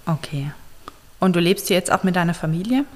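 A woman interviewing a young man, asking gentle, careful questions with frequent fillers. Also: fairly low pitch, brisk, in a large hall.

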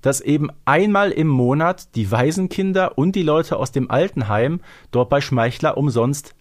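A man's voice: fairly high pitch, moderate pace. A man co-hosting a casual fan discussion, chatty and often seeking agreement with tag questions. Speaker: podcast co-host.

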